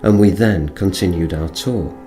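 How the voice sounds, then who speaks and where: A man's voice: sits low, moderate pace, dark tone, soft background music. A man reading a first-person account aloud as scripted narration. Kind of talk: scripted audiobook-style narration.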